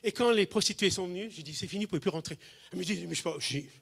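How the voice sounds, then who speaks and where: A man's voice: sits high, rapid-fire, vocal fry, husky. A man, preaching to a congregation and telling funny stories, acting out the voices of people he quotes. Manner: animated, acts out quoted voices, jumps in loudness. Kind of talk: humorous sermon storytelling.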